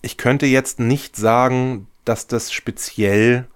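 A man's voice: medium pitch, fairly even intonation, slow, clean tone. A man giving reflective interview answers as a guest, thoughtful and often searching for his words. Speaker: radio play writer, interview guest.

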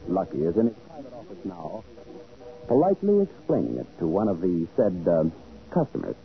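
A man's voice: deep voice, very animated, a little fast, gravelly, breathy edge. A man announcing and narrating in a dramatic, wry 1940s radio style. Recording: dull 1940s radio broadcast recording.

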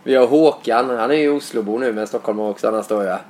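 A man's voice: mid-range voice, a little mellow. A man from Småland with a Småland accent, hosting a casual podcast in a chatty manner. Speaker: podcast host.

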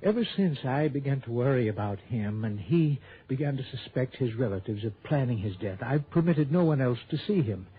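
A man's voice: mid-range voice, expressive, brisk, hardly any pauses, breathy edge. An actor playing an elderly male country doctor who hesitates and stammers, in a 1960s radio drama. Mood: defensive. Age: older. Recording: tinny old radio broadcast.

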